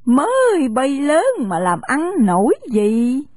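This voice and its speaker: A woman's voice: high-pitched, very animated, takes it slowly, a little mellow, no room sound, clean studio sound, exaggerated voice. A woman voicing an old village shopkeeper woman who scolds but is kind. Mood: gruff, kindly.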